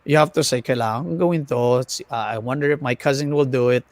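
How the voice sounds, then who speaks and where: A man with an American accent chats casually and animatedly on a livestream, switching haltingly between languages with some self-deprecation. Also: medium pitch, no echo. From United States, of Filipino family. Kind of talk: casual livestream chat mixing English and Tagalog. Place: online video livestream.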